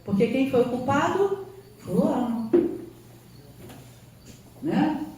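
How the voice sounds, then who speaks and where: A woman's voice: high voice, animated, slow pace, dark tone, slight background noise. Woman lecturing in an echoey hall. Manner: emphatic, acts out quoted voices. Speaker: spiritist lecturer. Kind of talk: spiritual lecture. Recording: roomy hall from far off, faint ambience.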